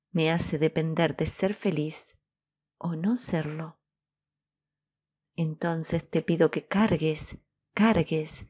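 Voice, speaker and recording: A woman speaks in a low, unhurried voice, calm and devotional, as she leads a spiritual reflection and recites decrees. Faint music plays softly behind her. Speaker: spiritual channel host. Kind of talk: slow meditative spiritual message and decree. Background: soft background music.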